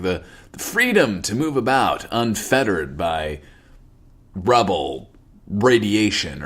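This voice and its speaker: An actor playing a vain, flirtatious post-apocalyptic radio host, smug and theatrical in a comedic audio drama. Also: male voice, on the low side, heavily acted. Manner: smug, theatrical, self-adoring.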